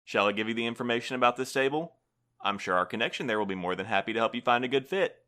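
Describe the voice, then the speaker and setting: An actor playing a prim, officious postal supervisor in an audio drama, formal, polite and unflappable. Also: male voice, medium pitch, very fast, pushed and bright, lightly acted. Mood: brightly condescending. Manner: formal, bureaucratic, smoothly evasive.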